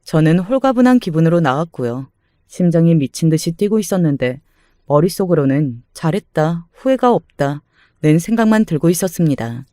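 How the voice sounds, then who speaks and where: A woman's voice: sits low, big pitch swings, moderate pace, warm tone, no room sound, studio quality. A woman reading a scripted first-person story as a dramatic narrator.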